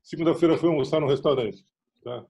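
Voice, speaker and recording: A physician with a São Paulo accent explaining hearing loss and telling a story, acting out the dialogue. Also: male voice, on the high side, fast, vocal fry, mellow, dull audio. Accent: São Paulo Brazilian Portuguese. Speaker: physician guest. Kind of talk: explanatory casual chat.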